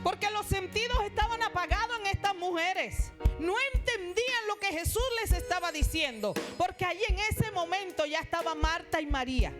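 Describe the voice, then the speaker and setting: High-voiced woman pastor preaching. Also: expressive, moderate pace, hardly any pauses, music in the background. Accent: Colombian Caribbean Spanish. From Colombia. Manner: emphatic preaching, rising to exclamations. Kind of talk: sermon. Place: church sanctuary.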